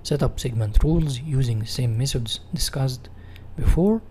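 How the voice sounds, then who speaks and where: Mellow-voiced Egyptian man teaching, noisy recording. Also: mid-range voice, normal speed. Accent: Egyptian Arabic. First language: Arabic. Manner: repeats and rephrases in non-native English. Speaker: instructor. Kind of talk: software tutorial reading slides and explaining.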